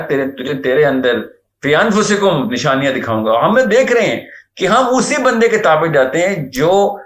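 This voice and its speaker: A man's voice: fairly high pitch, a bit bright, echoey room. A man speaking earnestly in a lecturing manner, mixing in English words, as a guest on a talk show. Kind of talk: Islamic talk show discussion.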